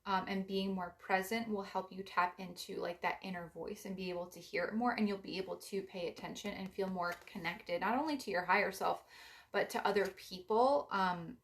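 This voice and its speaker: A young woman with a raspy voice giving a casual spiritual card reading, meandering with gentle advice. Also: medium pitch, fairly even intonation, moderate pace. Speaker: psychic card reader.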